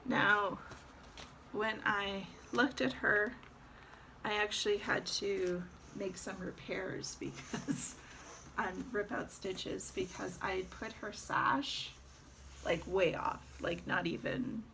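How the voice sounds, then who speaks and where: A woman's voice: medium pitch, slow pace, vocal fry, pushed and bright, a little hiss or hum. A woman chatting casually about her cross-stitch projects, rambling with fillers as she shows her work. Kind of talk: casual show-and-tell chat.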